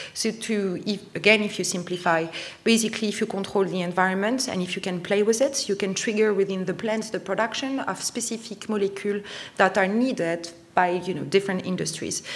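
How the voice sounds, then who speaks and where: In a French accent, a woman speaks fairly quickly with fairly even intonation, with noticeable background noise and audible room echo. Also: medium pitch for a woman. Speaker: company founder and CEO. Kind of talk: conference presentation. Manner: halting, many fillers.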